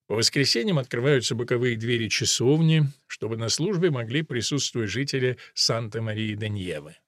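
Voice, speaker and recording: A man reading a novel aloud as narrator, in an even, descriptive manner. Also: mid-range voice, no echo, studio quality. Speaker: audiobook narrator. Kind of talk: scripted narration.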